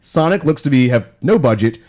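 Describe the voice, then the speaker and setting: Male podcast panelist, mid-pitched, opinionated and blunt, casual conversational delivery with free swearing. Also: animated, fairly quick, darkish tone. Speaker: panelist on a video game podcast.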